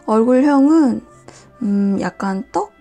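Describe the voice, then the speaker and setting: Soft-spoken woman with a gravelly edge. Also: on the high side, soft background music. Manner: calm, slow, often drops to a whisper. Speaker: nail art tutorial host. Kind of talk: soft-spoken step-by-step drawing tutorial. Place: indoors at a desk, hands on camera.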